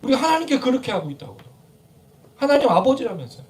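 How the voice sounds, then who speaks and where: A man's voice: very high-pitched, sing-song, fast talker, darkish tone, recorded from a distance. A male pastor preaching a sermon in a church, talking in a conversational way with many rhetorical questions and acting out quoted prayers. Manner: acts out quoted prayers and scoldings. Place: church sanctuary.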